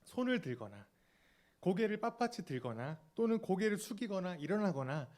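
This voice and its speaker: A man in his thirties preaching a sermon as pastor, earnest and confessional, often trailing off softly, with small fillers and restarts. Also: high-pitched, big pitch swings, normal speed. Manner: fillers and self-corrections.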